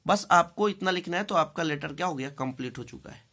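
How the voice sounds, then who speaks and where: Her voice leans low with a fairly bright tone as this woman, who has an Indian accent, teaches English in two languages. She repeats phrases intentionally, spells words, and checks in often.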